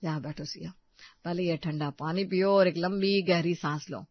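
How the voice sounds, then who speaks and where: Cheerful young husband, played by a man; calm, joking, dry lo-fi story sound. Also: a little high, normal speed, dry recording, close to an everyday voice. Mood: soothing. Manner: soothing, joking.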